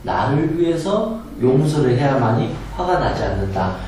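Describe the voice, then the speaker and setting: A man giving a spoken lecture on handling anger, emphatic and animated, sometimes acting out angry quotes and laughing. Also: mid-range voice, normal speed. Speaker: meditation and self-help lecturer. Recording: very echoey room from a distance, faint noise.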